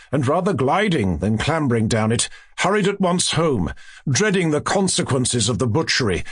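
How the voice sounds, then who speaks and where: Male audiobook narrator for classic fiction: formal, highly varied intonation, very dry recording. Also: breathy edge, no room sound.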